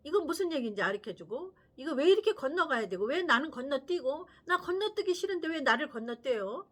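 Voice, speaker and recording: A woman's voice: high voice, expressive, a little fast, fairly bright tone. A woman voicing an insistent four-year-old girl who pleads and demands answers from her father. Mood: insistent pleading.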